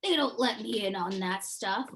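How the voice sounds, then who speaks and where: A woman's voice: medium pitch, normal speed, a bit bright, slight background noise, natural voice. A woman playing a sad, childlike clown monster, coaxing with false innocence, in a screenplay table read.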